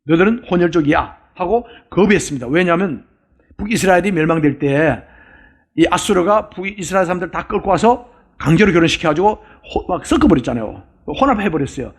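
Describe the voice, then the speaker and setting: A man's voice: high-pitched, animated, fairly quick, slightly rough. A male pastor preaching a sermon with emphasis, repeating phrases and asking the congregation questions.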